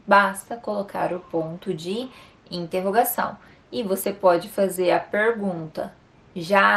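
A woman teaching a short Portuguese grammar lesson on her video channel, explaining clearly and acting out example shouts. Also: medium pitch. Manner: clear, didactic, with acted example exclamations.

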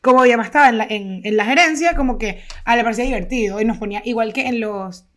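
A young Venezuelan woman chats on a podcast in a slightly high voice. She tells childhood stories in quick, slangy bursts and laughs between them. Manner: animated storytelling, slangy, laughs often. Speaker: podcast co-host. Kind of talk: casual chat.

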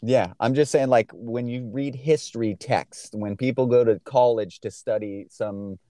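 A man's voice: mid-range voice, a little slow, warm tone, dry recording, studio quality. A man talking in casual podcast conversation.

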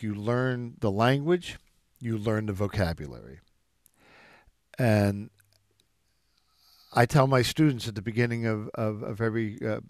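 Casting: male jazz teacher, mid-pitched, thoughtful anecdotes, halting restarts. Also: no echo, studio quality. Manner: reflective storyteller with frequent restarts. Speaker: jazz drummer and music educator. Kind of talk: interview answers.

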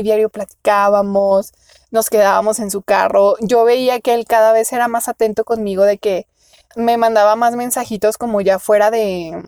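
A woman's voice: mid-range voice, a little mellow, smooth, no echo, studio quality. A young woman with a Mexican accent tells a dating story in casual chat, laughing often and squealing when she quotes herself. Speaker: podcast co-host.

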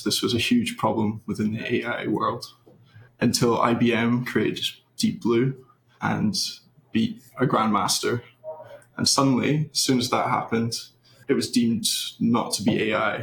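A young Scottish man, a research engineer, explaining things as an interview guest in a relaxed, thoughtful way with fillers. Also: fairly low pitch, creaky. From Scotland. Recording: roomy echo.

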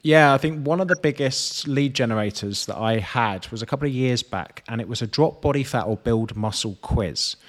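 A man's voice: medium pitch, normal speed, hardly any pauses. Male host and coach, mid-range voice, conversational advice, explanatory with illustrative quotes. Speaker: host and fitness business coach.

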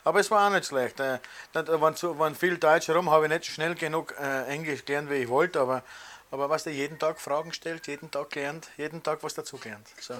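A man's voice: on the high side, fairly even intonation, fairly quick, fairly bright tone. An older man recalls things casually in colloquial dialect, mixing in English words. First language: German. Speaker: emigrant interviewee. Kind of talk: casual spoken recollection.

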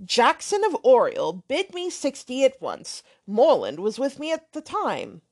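A woman voicing a boastful, blustering young man, loud and emphatic. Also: sits high, huge pitch swings, unhurried, full character voice.

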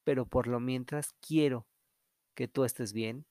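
A man's voice: medium pitch, fairly even intonation, a little slow, darkish tone, no room sound, studio quality. A man hosting a solo podcast, speaking in a candid, reflective, confessional way. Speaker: podcast host.

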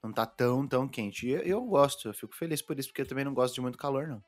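A man, co-hosting a podcast from home and telling stories in a relaxed way, full of fillers. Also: mid-range voice, racing, soft background music. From Brazil. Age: 20s. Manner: relaxed storytelling with many fillers. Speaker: podcast co-host. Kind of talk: casual podcast chat.

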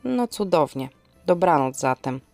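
A woman's voice: sits low, big pitch swings, a little slow, creaky, darkish tone, soft background music, exaggerated voice. A woman playing an exasperated, sarcastic young niece in an audio drama, with an ironic, snappish way of speaking. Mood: muttering, ironic. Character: exasperated sarcastic young niece tidying grandmother's forest cottage.

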